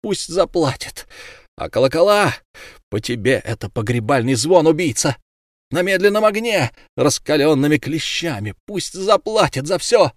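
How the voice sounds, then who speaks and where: A man's voice: a little high, animated, moderate pace, no echo, studio quality, voice pushed up, close to an everyday voice. A man voicing a raging, vengeful mother. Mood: furious. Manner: shouting, ferocious. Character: grieving mother, furious and vengeful woman.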